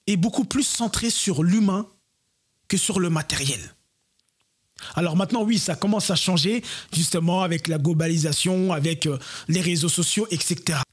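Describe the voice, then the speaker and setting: A man's voice: high voice, breathy edge. A young man from France, speaking earnestly and reflectively to his viewers in a personal vlog. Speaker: YouTuber and entrepreneur. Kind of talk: personal vlog talking to camera.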